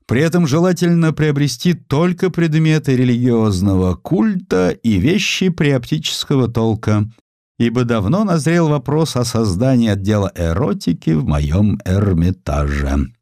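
Man playing a gloomy emperor, slow and animated. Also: medium pitch, no room sound, studio quality, pitched above the performer's own voice. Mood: gloomy, decreeing. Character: gloomy, thrifty Russian emperor giving orders.

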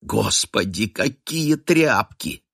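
A tired, sardonic husband, voiced by a man reading a novel, answering in cool, clipped phrases. His voice sits low and dry, close to the mic, with mockery underneath the restraint. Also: animated, takes it slowly, gravelly, fairly bright tone, slightly rough, no room sound, exaggerated voice. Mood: sardonic, weary. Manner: sardonic, clipped, through gritted teeth. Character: weary, sarcastic adult husband, cutting and cold.

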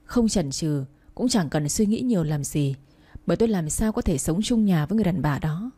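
Woman with a warm, husky storytelling voice. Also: on the low side, lively intonation, fairly quick. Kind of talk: first-person story narration.

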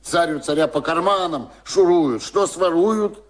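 A man's voice: fairly high pitch, a little slow. A man narrating a rhymed folk tale for a radio play in a wry, declamatory theatrical manner. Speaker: storyteller.

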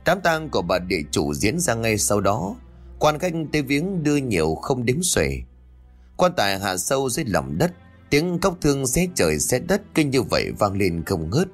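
A man narrating a dramatic story in an expressive, husky voice. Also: medium pitch, normal speed. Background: faint music.

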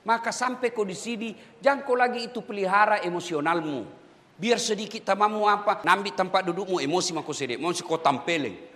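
Male preacher with a Makassarese Indonesian accent, bright voice, echoing hall. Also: high-pitched, a little fast. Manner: animated, acts out dialogue, shifts voice sharply. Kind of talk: sermon to prison inmates.

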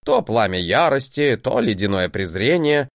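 A man's voice: mid-range voice, very animated, normal speed, dry recording, studio quality. A man voicing a grumpy old male mage teacher who speaks tersely. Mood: grumbling. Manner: gruff, terse.

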